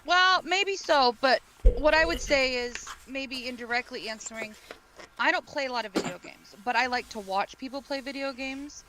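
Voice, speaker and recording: A woman's voice: high voice, moderate pace. A woman co-hosting a casual panel discussion, giving her opinion conversationally. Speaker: podcast co-host. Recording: faint room noise.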